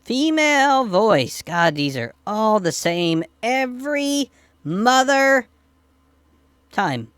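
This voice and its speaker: A man's voice: big pitch swings, slow, a bit bright, clean tone, no echo, exaggerated voice. A man talking through a voice changer set to a female voice, grumbling as he tests it. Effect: voice changer pitch shift.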